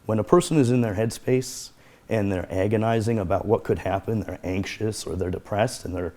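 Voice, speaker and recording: A man's voice: on the low side, a little fast, a little mellow. A man speaking as a guest therapist, explaining in an earnest conversational way and repeating his key phrases.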